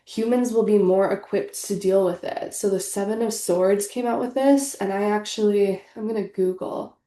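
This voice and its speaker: A woman's voice: medium pitch, normal speed, dark tone, reverberant. A young woman with a stuffy, congested voice, chatting casually and earnestly through a tarot reading, full of fillers. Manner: chatty, filler-heavy, earnest spiritual talk. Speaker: tarot reader.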